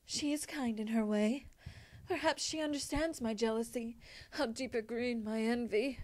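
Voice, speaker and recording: A woman voicing a wistful, regal winged pony princess in a storybook, speaking formally, softly and solemnly. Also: fairly high pitch, steady tone, moderate pace, lightly acted. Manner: formal, soft-spoken, solemn. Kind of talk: storybook character acting.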